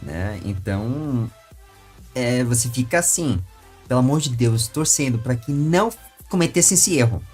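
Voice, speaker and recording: A man with a Brazilian accent interviewing a guest, commenting at length in halting phrases with emphatic bursts. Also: mid-range voice, expressive, darkish tone, slightly rough, soft background music.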